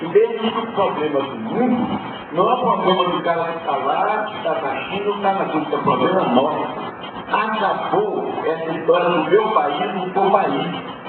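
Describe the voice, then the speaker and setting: A man's voice: high voice, moderate pace, heavy background noise. A man teaching a class, talking in a provocative, emphatic way and throwing rhetorical questions at his students. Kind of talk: spiritual lecture to a class. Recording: distant, phone-like, echoey hall recording with loud ambience.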